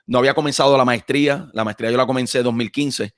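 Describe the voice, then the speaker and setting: A Puerto Rican man chats in a loose, animated podcast style, circling back over his own phrases and peppering them with slang. His voice sits at an ordinary middle pitch. The sound is dry and close, with no room around it. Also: fast talker, dry recording. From Puerto Rico. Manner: animated, repeats himself, slangy with frequent "mano". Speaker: podcast host and author. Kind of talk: casual conversation.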